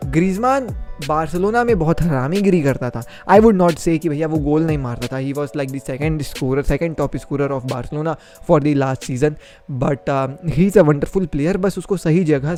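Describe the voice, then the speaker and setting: A man's voice: fairly high pitch, a little slow, darkish tone, faint music behind. Opinionated young man. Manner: chatty, opinionated, emphatic. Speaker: football video reviewer. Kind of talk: casual football match review.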